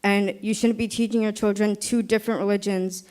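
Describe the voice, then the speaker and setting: A woman's voice: medium pitch, little pitch movement, fairly quick, a little mellow, rough recording. A young woman, a student, earnestly giving her opinion at a youth dialogue in repetitive, searching phrases.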